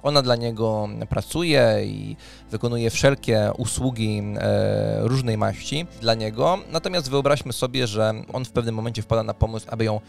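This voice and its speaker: A man's voice: on the low side, moderate pace, gravelly. A man, co-hosting a discussion of tabletop role-playing ideas, often searching for words. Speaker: podcast co-host, game master. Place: small dim home studio. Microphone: close studio mic on arm, headphones. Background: faint music.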